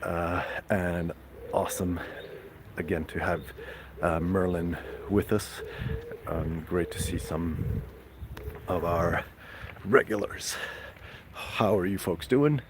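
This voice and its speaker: A man hosting a casual live stream, chatting with viewers in a halting way full of fillers and restarts. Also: deep voice, steady tone, noisy background. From Serbia.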